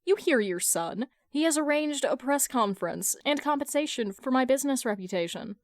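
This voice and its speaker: A woman's voice: high-pitched, lively intonation, normal speed, no room sound, studio quality, pitched above the performer's own voice. A woman voicing a confident, teasing businesswoman who is sweetly nonchalant and smug, in a fan fiction reading.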